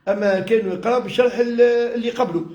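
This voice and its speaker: Male religious teacher, Tunisian accent, notably high voice. Informal, explanatory delivery that rephrases points, recorded in a reverberant room. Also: steady tone, very fast, a little mellow, muffled recording. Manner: explanatory, repeats and rephrases with everyday examples. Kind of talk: informal religious lesson mixing classical Arabic and dialect. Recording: echoey room.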